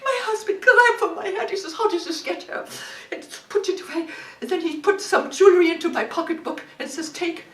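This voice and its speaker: A woman acting a war widow, speaking broken, halting English and often hunting for words. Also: extremely high pitch, lively intonation, fairly bright tone. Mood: agitated. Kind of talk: dramatic monologue. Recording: echoey room, distant mic, faint hiss.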